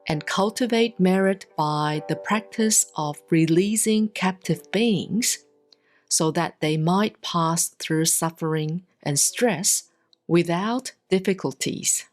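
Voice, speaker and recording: A woman reads a Buddhist sutra aloud in a solemn, scripted style, with measured, deliberate enunciation and long pauses. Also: on the low side. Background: instrumental music.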